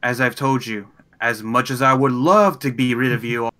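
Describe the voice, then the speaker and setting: A man playing a tabletop roleplay game, discussing plans in a measured, somewhat formal way. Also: mid-range voice, fairly even intonation, sharp tone.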